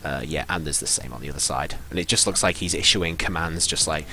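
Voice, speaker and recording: A man narrating as game master of a live-streamed tabletop game, halting and full of fillers as he describes the scene. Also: very deep voice, pushed and bright, a little hiss or hum. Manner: halting, full of ums and sort-ofs.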